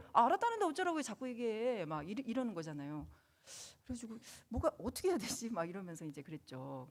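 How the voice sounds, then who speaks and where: A middle-aged woman lecturing as a school principal. She talks fast in a slightly low voice. She tells personal stories and acts out the dialogue in them with lively energy. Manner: lively storyteller who acts out quoted exchanges.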